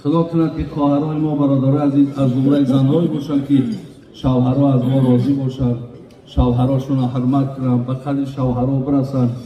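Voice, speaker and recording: A man's voice: mid-range voice, little pitch movement, lo-fi sound. A man with a Tajik accent gives an earnest wedding sermon as a preacher, often addressing his listeners as brothers. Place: large echoey hall at a wedding. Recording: echoey hall, voice from far off.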